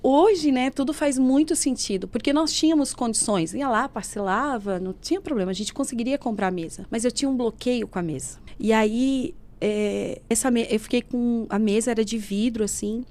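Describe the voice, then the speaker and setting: A woman telling an emotional personal faith testimony as a podcast guest. She tells it as a lively story, acting out what people said. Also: a little high, moderate pace, few pauses. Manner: lively storyteller who acts out quoted speech. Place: podcast studio.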